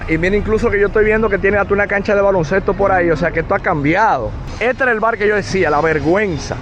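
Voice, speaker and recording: Music plays behind a high-pitched man who talks at a very fast pace with ordinary pitch variation. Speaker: travel vlogger. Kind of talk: travel vlog walking tour. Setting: outdoors walking the street.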